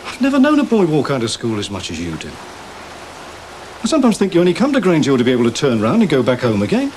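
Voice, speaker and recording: An actor playing an exasperated but reasoning senior teacher in a British television drama, with wry, patient reproach. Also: male voice, medium pitch, slight background noise, close to an everyday voice, poor audio. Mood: baffled reproach. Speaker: actor in a school drama series.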